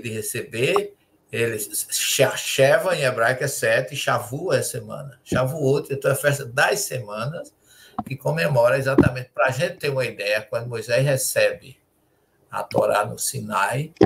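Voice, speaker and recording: An older man, a spiritist lecturer, explaining terms in a measured way with restarts, heard over a video call from a home study. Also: mid-range voice, creaky, slight background noise. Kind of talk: explanatory panel talk.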